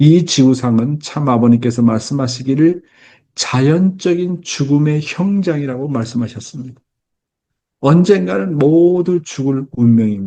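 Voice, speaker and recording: At a fairly slow pace, a man with a fairly high pitch talks in a dark, mellow tone with lively intonation. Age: 60s. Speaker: religious lecturer. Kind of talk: religious lecture. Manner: formal.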